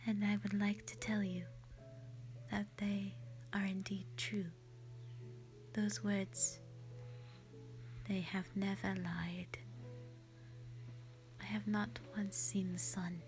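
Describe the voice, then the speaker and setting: A woman voicing a gentle, lonely female white dragon in a roleplay audio drama, speaking softly and breathily in a sweet, formal, hesitant way. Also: mid-range voice, little pitch movement, takes it slowly, long pauses, faint music behind. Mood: soft, wistful. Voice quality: soft, breathy, often whispery.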